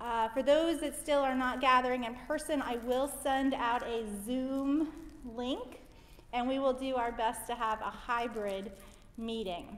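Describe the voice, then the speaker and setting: A woman speaks in a high voice with ordinary pitch variation, and the room echo is audible. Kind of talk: announcements. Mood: friendly, light laughter. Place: church.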